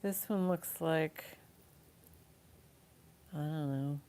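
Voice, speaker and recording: A woman's voice: sits low, drawn-out words, dark tone. A woman hosting a casual live online jewelry sale as a chatty, informal auctioneer.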